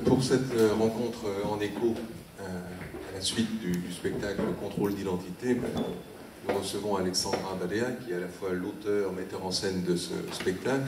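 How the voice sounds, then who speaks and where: A man introducing the guest at a theatre talk in a halting way, pausing on many fillers. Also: deep voice, steady tone, background noise. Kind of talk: formal introduction. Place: theatre hall. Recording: echoey room, voice from a distance.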